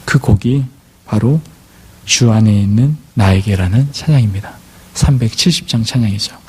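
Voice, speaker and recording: A man's voice: lowish voice, moderate pace, darkish tone, slightly rough. A man preaching a sermon as a pastor, telling a story and acting out the people in it. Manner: storytelling, acting out quoted speech.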